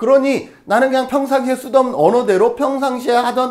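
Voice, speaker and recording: A man speaks at an extremely high pitch. There is audible room echo. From Korea, Jeju Island. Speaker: social welfare lecturer. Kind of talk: lecture. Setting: recorded in front of a camera. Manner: conversational, rhetorical questions.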